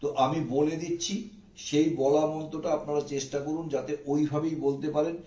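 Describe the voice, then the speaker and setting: A man with a mellow, somewhat raised voice gives devotional advice, repeating himself earnestly to viewers. He chants Sanskrit mantras slowly and drawn out. The sound is roomy and a little distant from the mic, with faint background noise. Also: on the high side, flat delivery. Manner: slow, drawn-out chanting of Sanskrit mantras between plain explanation. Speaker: astrology channel host.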